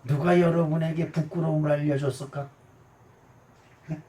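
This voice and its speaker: A male pastor giving a sermon, animated, swinging from shouts down to quiet murmurs. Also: a little high, moderate pace, recorded from a distance.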